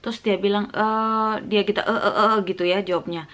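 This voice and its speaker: A woman's voice: medium pitch, fairly even intonation, moderate pace, a bit bright. A woman from Indonesia telling a casual vlog story about a job, acting out the dialogue and slipping in English phrases. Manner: recounts dialogue, mixes in English phrases, frequent fillers. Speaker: vlogger.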